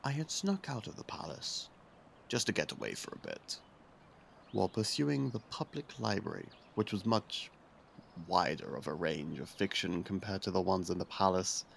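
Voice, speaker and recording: A man playing a curious, persuasive young prince as a suitor in an ASMR roleplay, speaking softly and confidingly. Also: deep voice, big pitch swings, normal speed, creaky, slight background noise, exaggerated voice. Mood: gentle, confiding. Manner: soft-spoken, confiding, with some hushed whispers. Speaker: voice actor.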